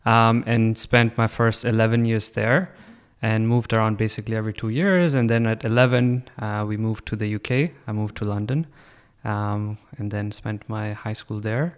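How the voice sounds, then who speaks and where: A man in his twenties from Pakistan, a podcast guest telling his story in a relaxed, reflective way. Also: lowish voice, moderate pace, clean tone. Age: 20s. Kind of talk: casual interview chat.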